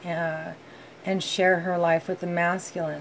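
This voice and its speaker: Speaking at a fairly slow pace, a woman with a fairly low voice keeps a flat, monotone delivery over light background noise. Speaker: tarot reader. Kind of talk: tarot reading commentary. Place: home room. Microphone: phone near.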